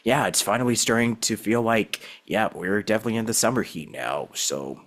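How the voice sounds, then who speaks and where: A man's voice: fairly low pitch, fairly quick, fairly bright tone. A man from Southern California hosting a casual voice-acting interview, rambling with lots of fillers and laughing easily. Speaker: podcast host.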